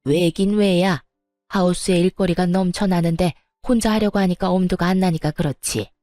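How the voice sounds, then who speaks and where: A woman's voice: lowish voice, fairly even intonation, normal speed, mellow, dry recording, soft background music, lightly acted. A woman voicing an angry, sarcastic older mother-in-law who bullies her daughter-in-law. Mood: scolding. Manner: sneering, bullying, sarcastic.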